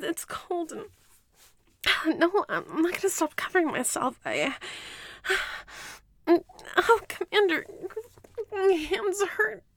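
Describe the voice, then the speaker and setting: Woman playing a breathy, flustered young ensign. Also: sits high, dry recording, exaggerated voice. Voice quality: breathy, often whispering. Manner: flustered, pleading, stammering. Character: young female starship ensign, proud and resentful. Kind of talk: audio roleplay acting.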